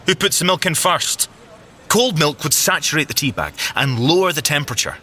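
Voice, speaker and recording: An actor playing an excitable, geeky young Scottish tech agent in an audio drama, enthusiastic, fussy and expressive. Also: male voice, a little high, brisk, slight background noise. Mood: indignant.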